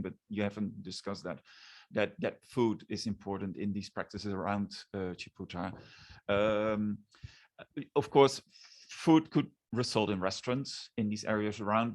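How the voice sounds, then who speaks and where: A male academic discussant with a somewhat low voice. He talks in a measured, thoughtful way, often pausing and restarting his sentences as he works through a question.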